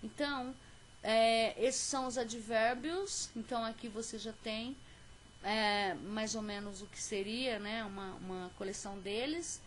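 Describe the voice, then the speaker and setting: A woman with a Brazilian Portuguese accent teaching an English lesson on video, slowly stressing each example word. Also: fairly high pitch, fairly even intonation, slight background noise. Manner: slow, clear teaching pace with stressed example words.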